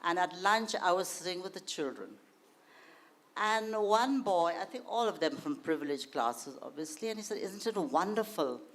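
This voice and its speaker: A woman with a posh, educated Indian accent, speaking earnestly and a little haltingly as she shares anecdotes and opinions at a panel discussion. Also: on the low side, lively intonation.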